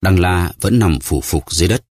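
A man narrating a novel as an audiobook in a steady storytelling manner. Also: deep voice, moderate pace, breathy edge, dry recording, clean studio sound. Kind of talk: scripted narration.

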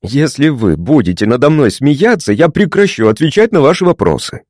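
A man's voice: mid-range voice, sing-song, warm tone, no echo, clean studio sound. Man voicing a touchy young male patient. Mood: indignant. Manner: matter-of-fact, quickly offended.

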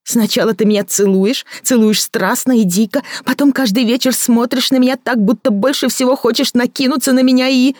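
Woman putting on a shrill, bitter, jealous woman. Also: steady tone, a little fast, few pauses, a little mellow, dry recording, clean studio sound, lightly acted. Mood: accusing, scornful. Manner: shrill, scornful, overwrought. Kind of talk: audiobook character voicing.

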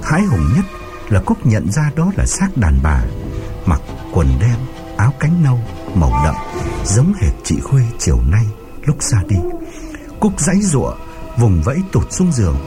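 A man's voice: lowish voice, wildly swooping pitch, unhurried. A man narrating a ghost story in a suspenseful, dramatic audiobook style, over background music.

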